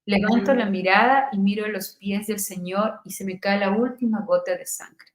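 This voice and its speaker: A woman's voice: mid-range voice, fairly even intonation, normal speed. Fervent Ecuadorian woman in an echoey room. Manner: fervent, rising to near-shouts and dropping to soft murmurs. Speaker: guest giving a testimony. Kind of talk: emotional personal testimony.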